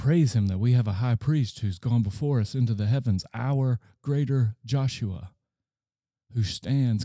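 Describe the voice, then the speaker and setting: A fairly slow, somewhat breathy voice with ordinary pitch variation, dry and close with no echo. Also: man. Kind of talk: guided prayer. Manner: fervent, earnest.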